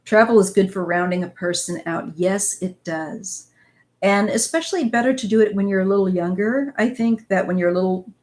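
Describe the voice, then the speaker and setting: This tarot channel host, a woman in her fifties from northwest Missouri, chats casually with her live-stream audience, rambling along and calling them "you guys" as she reads their comments. Her mid-range voice is a little mellow, with vocal fry.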